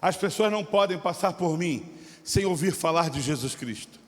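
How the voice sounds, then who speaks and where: A man with a Brazilian Portuguese accent, a pastor preaching a sermon. He swings from shouted exhortation to relaxed, chatty storytelling. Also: fairly high pitch, moderate pace. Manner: impassioned, shifting from shouting to storytelling. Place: church sanctuary. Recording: long hall reverb.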